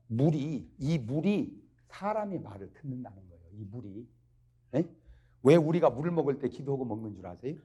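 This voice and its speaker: A man preaching a lively revival sermon, asking the congregation questions and climbing to emphatic peaks. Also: medium pitch, slightly rough. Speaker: pastor. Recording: archival broadcast of a revival meeting.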